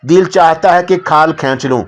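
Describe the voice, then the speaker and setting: A man doing a gruff, furious elderly householder. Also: fairly high pitch, normal speed, lightly acted. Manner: scolding, growling. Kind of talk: audiobook character voice.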